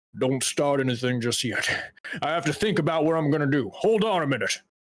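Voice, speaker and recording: A man's put-on character voice, fairly high in pitch, at a fairly quick pace. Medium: actual play.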